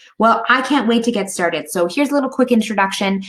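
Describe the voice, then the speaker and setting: A woman speaks with lively intonation and an animated tone. Noticeable background noise sits behind her. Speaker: dental HR consultant, company founder. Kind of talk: webinar presentation.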